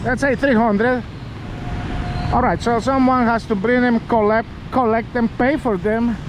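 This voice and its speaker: High-voiced Guatemalan man vlogging from a car. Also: fairly even intonation, measured pace, noisy background. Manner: rambling, joking asides to the viewer. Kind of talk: casual narrated driving vlog. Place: inside a car driving through the city in rain.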